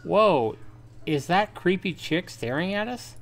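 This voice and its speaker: A man voicing a brash, mocking teenage high school boy in a visual novel, with slangy, jeering delivery. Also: animated, slow pace, exaggerated voice. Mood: incredulous gossip.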